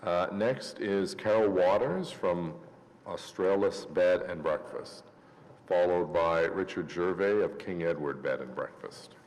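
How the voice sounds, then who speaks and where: A man chairing a city council committee, asking measured questions and calling on speakers by name. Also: deep voice, a little mellow. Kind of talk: chairing a public meeting. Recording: reverberant chamber with faint background hum.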